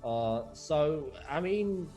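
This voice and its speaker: A man from Europe doing color commentary, relaxed, with dry humor. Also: fairly high pitch, extremely slow, faint music behind. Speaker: esports co-caster.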